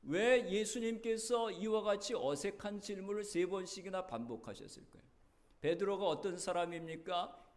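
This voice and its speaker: High-voiced pastor preaching a sermon. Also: male voice. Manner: earnest storytelling preacher, voice rising and dropping. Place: church sanctuary.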